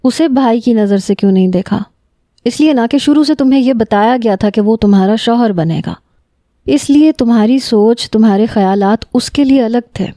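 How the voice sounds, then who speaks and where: A woman voicing a young man, a stern cousin in love, who lectures firmly and then pleads softly in a narrated romance story. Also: fairly high pitch, no room sound, studio quality, close to an everyday voice. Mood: earnest.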